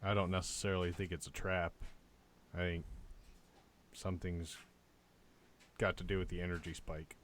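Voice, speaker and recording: A man's voice: sits low, little pitch movement, normal speed, long pauses, fairly bright tone, slight background noise. A man playing a tabletop game, improvising casually in character and often repeating words as he goes.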